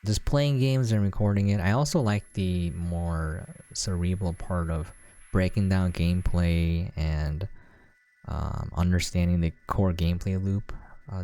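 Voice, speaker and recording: A man's voice: sits low, mellow. A man giving casual, unscripted gameplay commentary as a channel host, talking in a rambling, chatty way. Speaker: video game reviewer and channel host. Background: background music.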